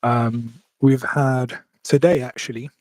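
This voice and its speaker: A man's voice: mid-range voice, fairly even intonation, takes it slowly, dry recording. Upbeat man hosting a podcast, dry sound. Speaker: podcast host. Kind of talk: casual chat.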